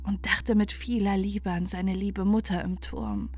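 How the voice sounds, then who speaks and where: A woman's voice: medium pitch, big pitch swings, a little slow, darkish tone, husky. A woman narrating a fairy tale as a bedtime storyteller. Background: music.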